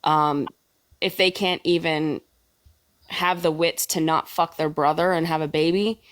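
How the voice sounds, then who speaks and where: Blunt, low-voiced woman chatting casually. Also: steady tone, a bit bright, no echo. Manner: blunt, swears freely, quick to agree. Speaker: live stream co-host. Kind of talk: casual chat.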